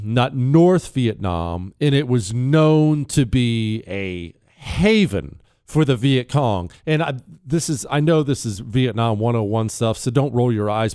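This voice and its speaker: A man's voice: medium pitch, a little mellow, no room sound. Male talk radio host, dry studio sound. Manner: folksy, plain-spoken, explanatory asides to listeners. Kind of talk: conversational radio monologue with read citation. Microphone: close studio microphone.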